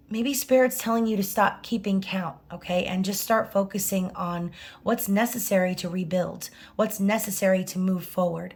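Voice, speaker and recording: A woman doing a casual tarot reading, her voice hoarse and scratchy, who talks in a chatty way, tags her lines with "okay?" and "right?" and swears now and then. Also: mid-range voice. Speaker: tarot reader.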